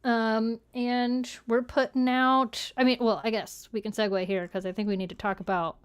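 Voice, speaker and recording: A woman's voice: fairly high pitch, little pitch movement, moderate pace, smooth. A woman chatting casually as co-host of a podcast live show, with a playful, self-deprecating, bantering manner. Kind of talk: casual chat, announcing channel updates.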